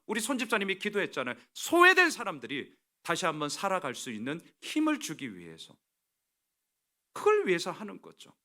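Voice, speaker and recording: A male pastor preaching a sermon at a church service. He talks in a conversational, emphatic way, breaking into loud bursts and then dropping to soft asides. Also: high voice.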